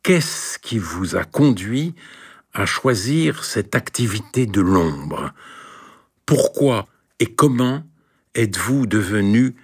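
A man with a very low, husky voice hosts an interview. He asks his questions in a measured, courteous way. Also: very animated. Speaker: radio interviewer host.

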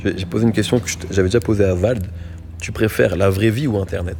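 A man's voice: lowish voice, steady tone, fast, vocal fry, a little mellow, slight background noise. A man hosting an interview, asking long questions with frequent hesitations. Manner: hesitant, many fillers. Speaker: radio interviewer.

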